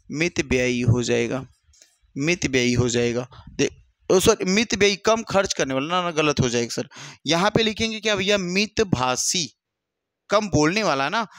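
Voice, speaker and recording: Guy teaching a test prep class, keeps repeating answers, bit high voice, dry sound. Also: dry recording. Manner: animated, repeats answers, voices students' replies, addresses listeners as bhaiya. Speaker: Hindi teacher. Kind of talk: exam-prep lesson.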